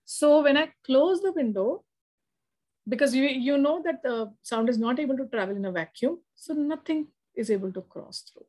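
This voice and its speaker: A woman with a South Asian accent gives a one-to-one lesson. Her voice sits a little high. She explains as a tutor does, often adding short tags to check that the student follows. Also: expressive, normal speed, a little mellow, rough recording. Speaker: physics tutor.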